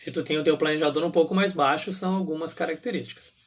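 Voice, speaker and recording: A man is speaking. His voice sits fairly high in pitch. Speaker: behavioral profile coach. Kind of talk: live stream talk. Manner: fast; loud.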